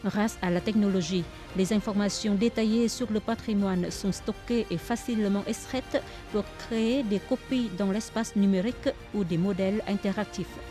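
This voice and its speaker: A woman narrating a French-language news report in a measured, even read. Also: mid-range voice. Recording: voice-over with clear music behind.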